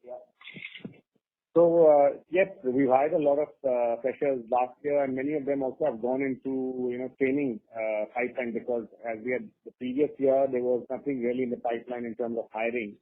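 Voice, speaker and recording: A man's voice: mid-range voice, fairly even intonation, normal speed. Through a narrow conference-call line comes a male finance executive with a mid-range voice. He answers analysts in an unscripted, conversational corporate style, explaining as he goes. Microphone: phone or conference call line.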